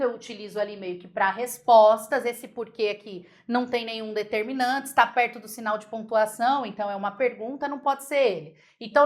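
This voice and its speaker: A Brazilian woman with a bright, high-pitched voice leads a grammar class for exam candidates. She talks in a lively, chatty way and keeps checking that her students are following along. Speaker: Portuguese grammar teacher. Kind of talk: exam-prep grammar lesson.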